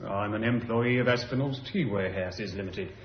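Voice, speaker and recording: A man's voice: fairly low pitch, normal speed, slight background noise, lightly acted. An actor playing a falsely helpful male henchman who talks in an unctuous, overly polite way. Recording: roomy, dull old radio recording.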